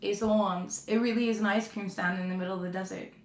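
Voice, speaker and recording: A woman's voice: medium pitch, fairly even intonation, quick pace, echoey room, a little hiss or hum. A woman reading tarot cards to her viewers in a chatty, reassuring way, with frequent fillers and check-ins. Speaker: tarot reader.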